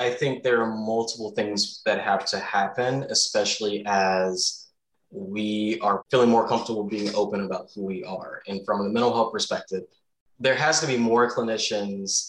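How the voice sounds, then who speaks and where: A man's normal speaking voice at a medium pitch, with fairly even intonation and an American accent. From US South, South Carolina. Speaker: psychology professor. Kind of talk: interview. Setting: video call.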